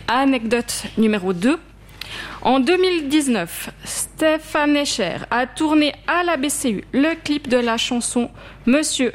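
A woman speaks as a library guest on a radio show. Her voice sits a little high, and she reads in a clear, measured way before chatting. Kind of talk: reading prepared anecdotes, then radio chat.

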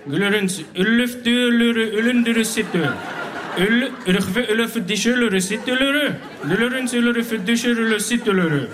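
A man performing spoken word poetry on stage, chanting repetitive lines and strings of invented nonsense words in a steady rhythm. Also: extremely high pitch, moderate pace, background noise.

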